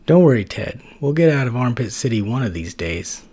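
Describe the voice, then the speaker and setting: A man's voice: medium pitch, very animated, fairly quick, dark tone, breathy edge. A man voicing a hungry, dim-witted, laid-back male white blood cell in a storybook reading. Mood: cheery. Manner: easygoing, slangy drawl.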